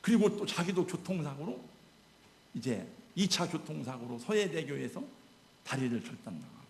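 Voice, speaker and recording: Pastor guy preaching, high gravelly voice, big echoey church. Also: sing-song, normal speed, a little hiss or hum. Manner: emotional, exhorting. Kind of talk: sermon. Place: church sanctuary.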